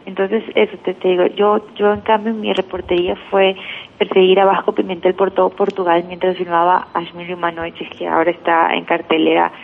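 A woman's voice: lowish voice, level tone, a little fast, vocal fry. A woman from Ecuador giving conversational interview answers, talkative and repeating words as she searches for phrasing. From Guayaquil, Ecuador. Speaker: interview guest, journalist. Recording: tinny phone-like line, faint noise.

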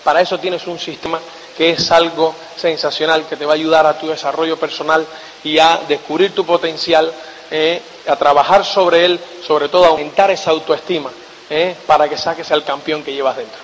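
A man giving a motivational seminar talk, emphatic and lively, who keeps checking in with his listeners through quick tag questions. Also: on the high side, a little hiss or hum. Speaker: motivational speaker. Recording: long hall reverb.

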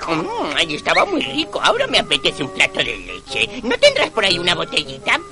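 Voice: mid-range voice, huge pitch swings, fairly quick. An actor voicing a chirpy, cheeky character in an overacted cartoon dub. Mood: wheedling. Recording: old TV cartoon soundtrack with music.

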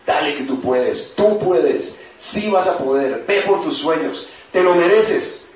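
A man's voice: a little high, lively intonation, slow pace, pitched above the performer's own voice. A man voicing a white wolf, the hopeful inner voice that urges and cheers on. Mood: cheering. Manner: cheering, urging. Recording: echoey hall, distant dull mic.

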